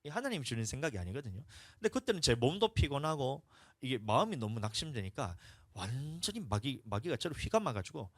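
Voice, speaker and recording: Korean pastor with a Gyeongsang accent, wildly dynamic. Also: male voice, medium pitch, sing-song, fairly quick, hardly any pauses, no echo, studio quality. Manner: dramatic, swings between hushed talk and loud shouting. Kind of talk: emotional sermon with testimony. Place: church sanctuary.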